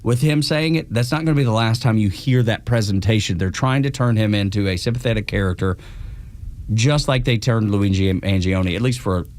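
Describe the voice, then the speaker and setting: A man's voice: lowish voice, fairly quick, a little mellow. A man with an Appalachian accent co-hosts a radio show, chatting casually in folksy, colloquial language. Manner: folksy, colloquial turns of phrase. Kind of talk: casual political talk and banter.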